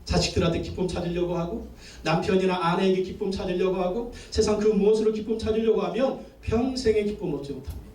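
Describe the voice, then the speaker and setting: High-voiced man preaching in an echoey church. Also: fast, darkish tone, far from the mic. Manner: emphatic call-and-response preaching with repeated lists. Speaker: pastor. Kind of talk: sermon. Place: church sanctuary.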